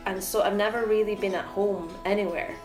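A young woman folk musician from Sweden, raised in Norway, thoughtfully explaining her views on music. Her voice rings in a roomy space, and folk music plays clearly behind her. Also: medium pitch, steady tone, brisk. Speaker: folk musician, mandola player. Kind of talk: casual interview talk.

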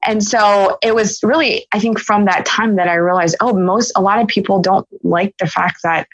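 A woman's voice: medium pitch, steady tone, normal speed, dry recording, muffled recording. A woman in her forties from Philadelphia, a podcast guest telling her own story in an earnest, reflective way, often restarting her sentences. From Philadelphia, United States. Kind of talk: podcast interview, personal storytelling.

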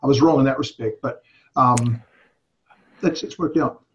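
A man's voice: medium pitch, moderate pace, fairly bright tone. Rambling man with an English–New Zealand accent. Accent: English with New Zealand tinge. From England, raised in New Zealand. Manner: rambling, hesitant, many fillers, wry asides. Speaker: convention organizer, guest. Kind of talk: casual podcast interview. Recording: dull lo-fi podcast audio.

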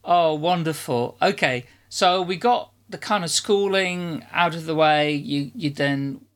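A woman's voice: deep voice, measured pace. Woman, English not her first language, interviewer, encouraging, rambling questions. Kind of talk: conversational interview.

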